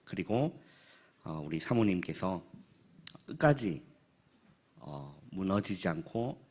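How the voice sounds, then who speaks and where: A man in his thirties speaks with a low, husky voice as a pastor. He reports to a church forum in an earnest, halting way and often pauses on fillers. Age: 30s.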